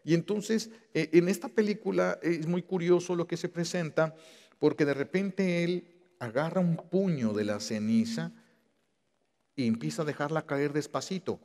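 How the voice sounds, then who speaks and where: A male Catholic priest preaching a sermon, impassioned, repeating key phrases and drawing words out slowly for weight. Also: fairly high pitch, a little mellow, in a large hall.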